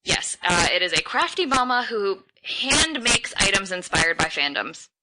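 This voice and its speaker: A woman co-hosting a podcast, chatting casually and rambling in quick bursts. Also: medium pitch, sing-song, bright, forceful tone, poor audio. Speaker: podcast co-host. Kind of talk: casual chat.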